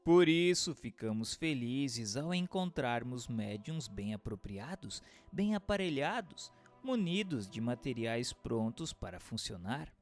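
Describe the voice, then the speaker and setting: A Brazilian man playing a learned, solemn spirit who instructs mortals in a declamatory, deliberate radio drama monologue. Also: medium pitch, sing-song. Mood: solemn, emphatic. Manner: declamatory, deliberate, emphatic phrasing. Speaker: voice actor in an audio book dramatization. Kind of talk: scripted radio drama monologue, didactic reading. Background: music.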